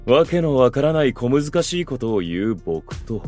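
A man's voice: mid-range voice, big pitch swings, moderate pace, darkish tone, faint music behind, natural voice. An actor playing a cryptic, theatrical male idol in a Japanese voice drama, speaking in a pompous, flowery, composed manner. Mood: amused, grand.

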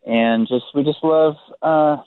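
A man's voice: a little high, slow pace, clean tone, dry recording. A man from San Diego calling in to a radio talk show, his voice muffled as if through a wall, speaking hesitantly with many ums. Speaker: phone-in guest. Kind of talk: casual radio chat. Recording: muffled tinny phone line.

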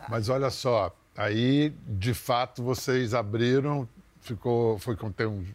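A man's voice: medium pitch, slow. A man hosting a talk show, putting short, probing questions to his guests. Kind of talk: interviewing.

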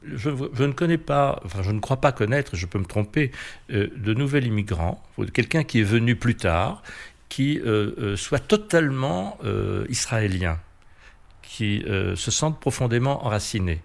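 A man with a French accent, guesting on a reflective conversational interview, gives thoughtful, hesitant answers full of fillers and restarts. His mid-range voice is expressive, with vocal fry, and he speaks at normal speed.

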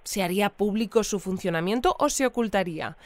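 An actress playing a courteous, measured female radio interviewer who reads out listeners' messages in a conversational audio drama. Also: mid-range voice, expressive, dry recording, natural voice. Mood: polite, attentive. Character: polite female radio interviewer in a futuristic community.

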